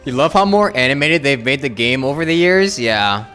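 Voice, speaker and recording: A man streaming a game, with a bright, forward voice and lively pitch movement. He talks casually and reactively, with game music softly behind him. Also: moderate pace. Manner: chatty, reactive. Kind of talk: casual live game commentary.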